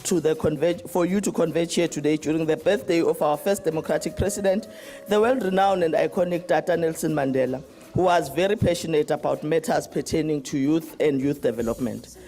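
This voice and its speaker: A man's voice: fairly high pitch, fairly quick, warm tone, faint music behind. A man speaking at a summit in a formal, reverent address. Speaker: event speaker.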